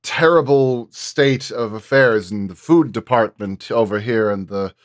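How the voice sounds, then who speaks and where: Low pitched guy, dry close sound, talking through details casually on a roundtable. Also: measured pace, no echo. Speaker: sound designer, panel guest.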